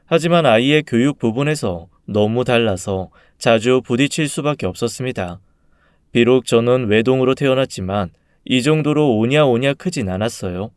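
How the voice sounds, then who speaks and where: Male story reader, calm and subdued, resonant and clean. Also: medium pitch, moderate pace, smooth, no echo, studio quality. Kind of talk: first-person story narration.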